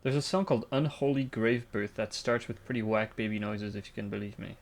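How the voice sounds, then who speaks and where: Streaming a game, a man chats casually in a lowish, steady voice at a fairly quick pace. He cracks crude jokes and laughs often.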